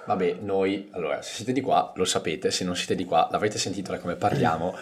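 A man's voice: sits low, a little fast, slight background noise. A man with a Brescian accent hosting a podcast, chatting in a jokey way. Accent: Brescian Italian. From Lombardy, Brescia area. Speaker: podcast host. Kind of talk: casual podcast chat.

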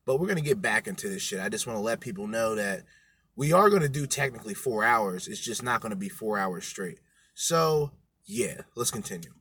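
A man's voice: on the low side, lively intonation, a little fast, fairly bright tone, slightly rough, no room sound. A man co-hosting a podcast, ranting bluntly with heavy swearing. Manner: profane, blunt, emphatic. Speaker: podcast co-host. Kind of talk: crude ranting commentary.

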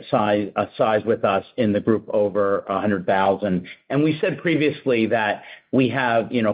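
Low-voiced male executive, dull call audio. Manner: halting, careful. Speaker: company executive answering analysts. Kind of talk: earnings call answers.

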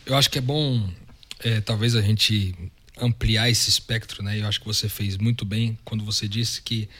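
A man's voice: lowish voice, fairly even intonation, moderate pace, fairly bright tone. A man co-hosting a Christian podcast, talking things through thoughtfully with frequent restarts. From São Paulo, Brazil. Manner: thoughtful, restarts while searching words. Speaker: podcast co-host. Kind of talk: reflective religious discussion.

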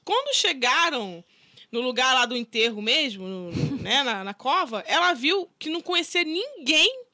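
Bright high woman telling stories. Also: unhurried, dry recording, clean studio sound. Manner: animated storyteller, laughs often. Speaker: podcast co-host. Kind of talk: casual chat, reading listener stories.

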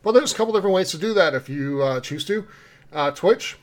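Male podcast host, higher-than-average voice, informal and conversational delivery. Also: expressive, fairly quick. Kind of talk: casual podcast talk with community announcements.

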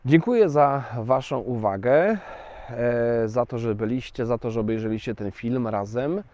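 Here a man of medium pitch, his voice a little mellow and the recording dry, addresses viewers directly in a casual lesson. A language teacher whose native tongue is Polish, he explains things in a chatty, slow and deliberate way.

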